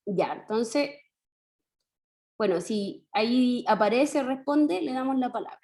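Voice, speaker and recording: A woman's voice: a little high, unhurried, darkish tone, echoey room. A woman teaching an online primary class with a Chilean accent, patient and encouraging, stretching out syllables as she explains. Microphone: video call.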